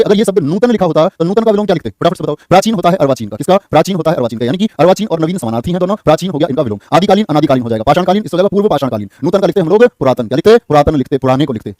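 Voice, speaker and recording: A man teaching a Hindi exam-prep class online, drilling questions briskly and teasing his students. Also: a little high, mellow, no echo, clean studio sound.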